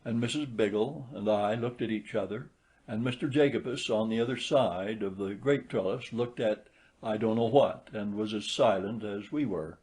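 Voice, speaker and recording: A man's voice: lowish voice, normal speed, a little mellow. A man reading a literary short story aloud as an audiobook narrator.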